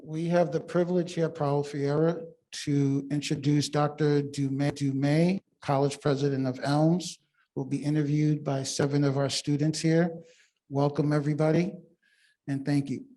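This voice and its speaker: A man's voice: a little high, flat delivery, normal speed, mellow. A man from the school giving a short formal welcome and introducing the guest, speaking from some distance from the microphone. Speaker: school staff announcer.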